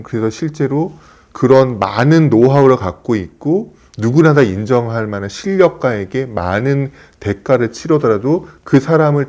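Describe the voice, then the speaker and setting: A man's voice: mid-range voice, a little mellow. A man in his fifties, a plastic surgeon, telling stories in an earnest, reflective way. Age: 50s. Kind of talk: casual conversational talk.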